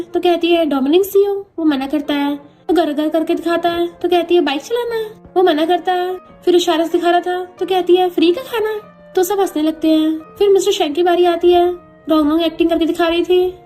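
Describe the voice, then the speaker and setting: A woman's voice: very high voice, mellow. A woman narrating a drama recap in a casual storytelling way, reading every character's lines in her own voice.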